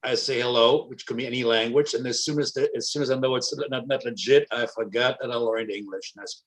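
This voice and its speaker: A man's voice: medium pitch, fairly even intonation, a little fast, rough recording. Older man. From Germany or German-speaking Europe. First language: German. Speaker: class participant. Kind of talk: casual anecdote and comment. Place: online video call.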